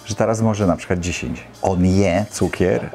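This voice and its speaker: A man's voice: sits low, steady tone, unhurried, mellow, faint music behind. A man in his fifties giving casual, exclamatory, colloquial commentary as a host reacting to clips. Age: 50s. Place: small indoor home studio.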